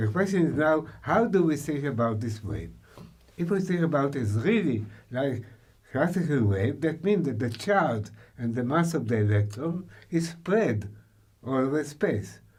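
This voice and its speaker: A man speaks fairly slowly in a fairly high, somewhat breathy voice with very wide pitch swings. Audible room echo surrounds him. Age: 80s+. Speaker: physicist. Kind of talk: scientific dialogue.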